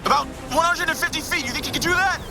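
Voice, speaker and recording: A man playing a cocky, excitable young husband turned superhero in an audio drama, with slangy, laid-back wording. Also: extremely high pitch, fast, gravelly, background noise. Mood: urgent. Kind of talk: acted audio fiction dialogue.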